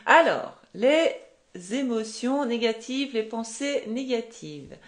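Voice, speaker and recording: Higher-voiced woman coaching live. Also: expressive, slow. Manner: conversational, explains with rhetorical questions and acted-out quotes. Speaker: manifestation coach. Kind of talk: live-streamed talk to viewers. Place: home.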